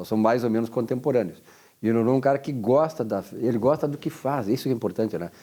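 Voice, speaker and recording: A man's voice at medium pitch, dark and mellow in tone, with ordinary pitch variation and a very fast pace, on a very clean recording against a silent background. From southern Brazil, Rio Grande do Sul (Uruguaiana). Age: 70s. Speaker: TV talk show host. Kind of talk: interview. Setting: studio.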